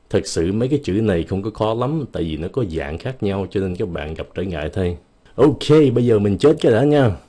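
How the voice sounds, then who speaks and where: A man whose first language is Vietnamese, teaching English vocabulary in a casual, explanatory lesson and slowing right down to model each English word. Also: low-pitched, dark tone. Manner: slows down sharply to model English words.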